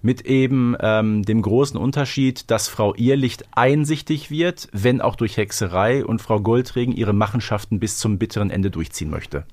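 A man's voice: lowish voice, moderate pace, hardly any pauses, darkish tone. A man co-hosting a casual, conversational review podcast. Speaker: podcast co-host.

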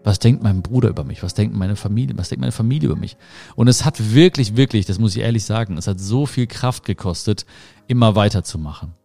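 A man in his thirties, raised in Germany, hosting a motivational podcast in an earnest, emphatic way, his pitch rising sharply on key phrases. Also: quick pace, creaky, dark tone, soft background music. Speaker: podcast host. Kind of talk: motivational talk.

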